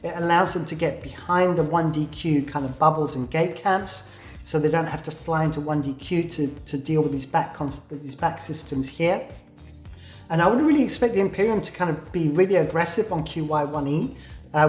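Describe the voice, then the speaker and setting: Low-voiced woman commentator in a roomy space. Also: a little mellow. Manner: analytical, with frequent "uh" pauses. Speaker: game news commentator. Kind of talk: weekly gaming war update commentary.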